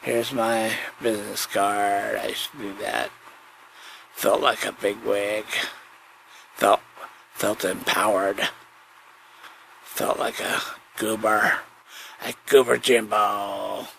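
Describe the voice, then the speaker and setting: Gravelly, folksy man rambling casually. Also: fairly low pitch, flat delivery, takes it slowly, pauses often, sharp tone, slight background noise, low-quality recording. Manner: folksy, digressive, repeats phrases. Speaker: podcast host. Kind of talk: rambling casual solo chat.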